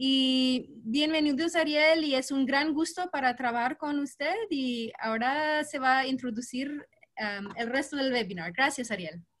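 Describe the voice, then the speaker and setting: A woman with a non-native accent, high-pitched, fairly slow yet with hardly any pauses, her intonation lively. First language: not Spanish (speaking Spanish). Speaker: webinar moderator for a global early childhood network. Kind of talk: webinar welcome and housekeeping. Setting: online webinar. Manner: halting, many fillers.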